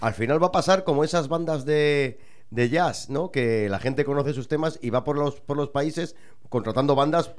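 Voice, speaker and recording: A man's voice: a little high, normal speed, clean tone. A man from Spain co-hosting a casual radio chat, curious and chatty, often asking questions. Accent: Spanish. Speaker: radio show co-host.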